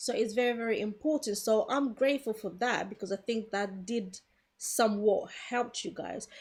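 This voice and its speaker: A somewhat breathy, fairly high female voice with ordinary pitch variation, on a very clean recording with a silent background. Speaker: talk show host. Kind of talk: casual chat. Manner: fast.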